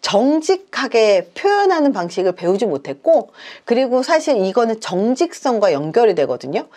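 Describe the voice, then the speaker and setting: Woman, psychologist, advice talk, numbered points, animated intonation. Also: fairly high pitch, moderate pace. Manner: explains in numbered points, acts out example lines.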